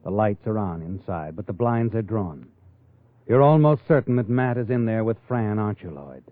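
An actor playing a sinister, taunting narrator of a 1940s radio crime drama, insinuating and deliberate. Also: male voice, on the low side, lively intonation, natural voice. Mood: ominous. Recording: tinny, band-limited 1940s radio with music.

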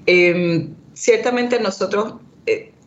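A woman's voice: medium pitch, slow pace, slight background noise. A woman who grew up in Boston, speaking as an academic panelist in a hesitant, reflective way, dropping into English now and then. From Boston, United States. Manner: hesitant, fillers, slips into English. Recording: slightly dull lo-fi audio.

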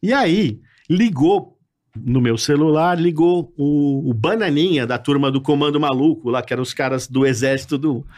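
A man telling a funny story on a podcast in an animated way. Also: on the high side, normal speed. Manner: lively, slips into impressions. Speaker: guest comedian. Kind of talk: animated storytelling in casual chat.

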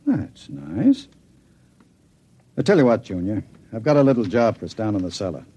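Sly crook, low voice swinging all over, old radio with music. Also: male voice, huge pitch swings, moderate pace, mellow, husky, heavily acted. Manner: coaxing, sly. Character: scheming adult male crook named Duke. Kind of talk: 1950s radio drama acting.

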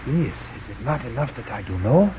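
A man's voice: mid-range voice, expressive, normal speed, dark tone, close to an everyday voice. A man playing a curt resistance fighter with stiff foreign word order, in old-time radio drama style. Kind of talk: 1940s radio acting. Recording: dull old radio recording, faint hiss.

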